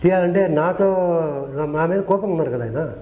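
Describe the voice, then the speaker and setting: A man's voice: a little high, animated, normal speed, dark tone, reverberant, low-quality recording. An older man, a veteran film co-director, tells stories from old shoots in a long interview and acts out the quoted lines. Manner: anecdotal, acts out quoted dialogue. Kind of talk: storytelling interview.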